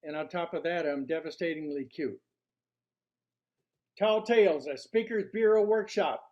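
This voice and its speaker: An older man speaks to a club in a notably high voice. His delivery is deliberate and theatrical, built like a prepared workshop speech. The recording sounds muffled and low in fidelity. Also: darkish tone. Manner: deliberate, showman-like delivery with rhetorical questions. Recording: dull, lo-fi sound.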